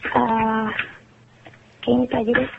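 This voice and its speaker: A woman's voice: a little high, level tone, unhurried, creaky. A young woman calling in to a radio show by mobile phone, chatting in a casual, rambling way. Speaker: phone-in caller. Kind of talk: casual chat. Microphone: mobile phone call. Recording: tinny phone line, faint noise.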